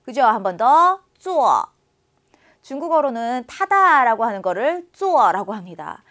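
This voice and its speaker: A woman teaching a beginner Chinese lesson, modelling words slowly and encouraging learners to repeat after her. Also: fairly high pitch, very animated, a bit bright. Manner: encouraging, asks learners to follow along.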